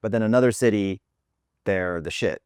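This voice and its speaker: A man's voice: on the low side, moderate pace, clear, resonant tone, no room sound, studio quality. A man from the United States hosting a podcast, talking animatedly, exaggerating for comic effect, and swearing freely. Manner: animated, profane, exaggerating for laughs. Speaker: podcast host. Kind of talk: casual chat.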